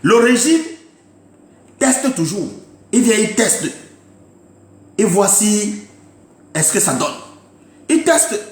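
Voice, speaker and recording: A man's voice: high voice, sing-song, takes it slowly, long pauses, reverberant. A man giving an impassioned political rant, emphatic and scolding, repeating his points to his listeners. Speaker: political commentator. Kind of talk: impassioned live-stream rant.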